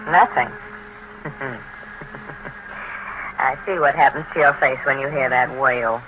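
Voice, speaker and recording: A woman's voice: rumbling low, takes it slowly. An actress playing a brassy, scheming young woman in a 1940s radio drama, slangy and streetwise, on a hissy lo-fi broadcast recording. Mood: suspicious. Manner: slangy, streetwise, calls him kid.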